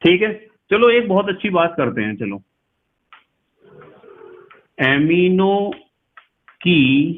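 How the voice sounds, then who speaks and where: A middle-aged man with a western Uttar Pradesh Hindi accent lectures on chemistry, his voice sitting somewhat high. He explains slowly, repeats key phrases and keeps asking his students questions. The sound is thin and tinny, as if through a phone. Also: big pitch swings. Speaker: chemistry teacher. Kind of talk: classroom lecture.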